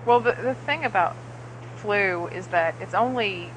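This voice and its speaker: A woman's voice: medium pitch, unhurried, a little hiss or hum, poor audio. A woman chatting casually over a call, blunt and emphatic, swearing freely when she gets worked up. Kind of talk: casual chat. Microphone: remote call.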